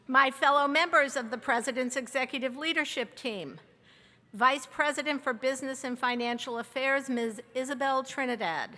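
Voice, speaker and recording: A woman serving as interim provost, reading formal introductions of names and titles in a measured way. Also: high-pitched, bright, forceful tone, long reverb tail. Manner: measured, reads a long list of names and titles. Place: large outdoor or hall ceremony over a PA.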